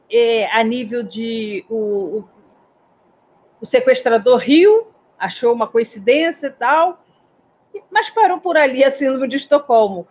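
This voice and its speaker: Brazilian lady in her 60s, high voice, storytelling, kinda muffled audio. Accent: Brazilian Portuguese. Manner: lively storyteller, asks listeners questions. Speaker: aviation security specialist, guest. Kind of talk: storytelling in a talk. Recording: dull, slightly muffled audio.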